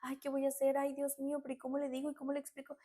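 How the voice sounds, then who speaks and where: A woman's voice: sits high, monotone, rapid-fire, warm tone, lightly acted. A woman voicing a tearful older grandmother who pleads and sighs anxiously. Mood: distraught pleading. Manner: pleading, sighing "ay".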